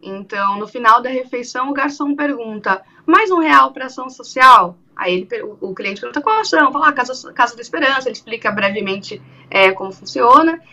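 A woman's voice: fairly high pitch, brisk, hardly any pauses. A woman in her thirties, an event organizer, speaking animatedly on a video call during an interview. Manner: animated, acts out quoted dialogue. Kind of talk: remote interview on radio-TV news show. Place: small room indoors. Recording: dull lo-fi video call audio.

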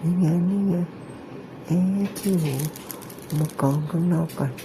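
A man narrating an ear-cleaning demonstration, talking in a deliberately raised, soft, falsetto-like voice with chatty, joking asides. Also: a little hiss or hum.

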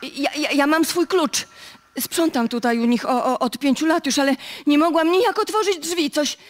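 A woman's voice: high voice, moderate pace, close to an everyday voice. An actress playing an anxious cleaning lady in a radio play, stammering and repeating herself nervously. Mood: flustered. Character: flustered, anxious cleaning lady, witness talking to police. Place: music studio, played live before an audience.

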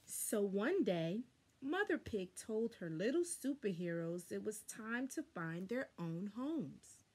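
A young adult woman reading a children's story aloud expressively, with deliberate, dramatic emphasis, recorded indoors on a camera a short distance away. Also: medium pitch, sing-song, a little mellow, slightly rough. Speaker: storybook reader. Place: small furnished room indoors.

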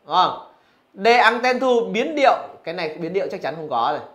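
A man's voice: high-pitched, very animated, fairly quick, a bit bright, muffled recording. A male physics teacher going through exam answers, asking his students rhetorical questions as he explains. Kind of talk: exam review lesson.

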